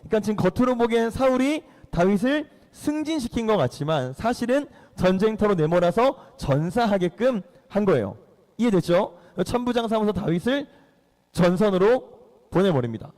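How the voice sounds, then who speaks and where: A man's voice: high voice, a little mellow, in a large hall. A man teaching children a Bible lesson in a church, playfully quizzing them as he goes. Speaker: youth pastor teaching children. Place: church hall.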